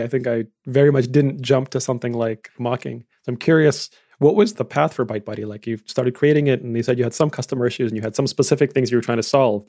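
Quick, mellow-voiced interviewer. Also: male voice, mid-range voice, dry recording, clean studio sound. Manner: curious, conversational. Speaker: podcast host. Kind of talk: interview questions.

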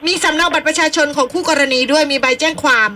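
A woman's voice: sits high, fast, pushed and bright. A woman hosting a live radio call-in show, reading out listener questions politely, sometimes a little flustered. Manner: polite, reads listener messages and questions aloud, a bit flustered. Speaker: radio host.

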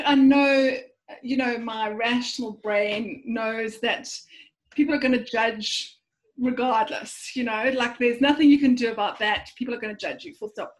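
A woman's voice: fairly high pitch, low-quality recording. A woman talking through her fears with a coach, thinking aloud with fillers and hesitations. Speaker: coaching client. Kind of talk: reflective conversation.

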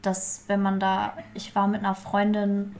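A woman's voice: mid-range voice, completely flat delivery, measured pace, darkish tone. A young woman co-hosting a casual podcast, talking easily and slipping English words into German. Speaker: podcast co-host.

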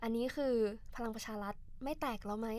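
A woman co-hosting a casual political talk show, an academic telling the news in a chatty, animated way. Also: a little high, fast. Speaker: co-host, academic.

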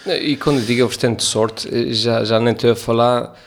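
A man's voice: mid-range voice, fairly even intonation, normal speed, vocal fry, a little hiss or hum. Agreeable man in casual chat. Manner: agreeable, readily affirming.

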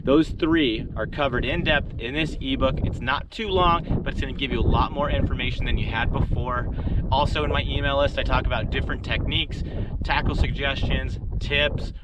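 Man, casual host, how-to talk, relaxed, chatty, average pitch. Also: moderate pace, highs cut off, heavy background noise. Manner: relaxed, chatty, fillers and repeats. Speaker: fishing podcast host.

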